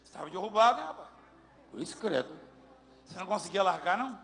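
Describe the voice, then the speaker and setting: Male pastor, high voice, playful interviewer, large reverberant church. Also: expressive, fairly bright tone. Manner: teasing, folksy, fast back-and-forth. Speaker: pastor leading a service. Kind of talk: joking church testimony interview. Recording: long hall reverb with music.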